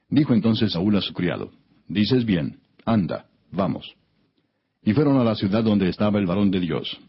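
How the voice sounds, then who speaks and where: Low, husky man narrating scripture solemnly. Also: muffled recording. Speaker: Bible narrator.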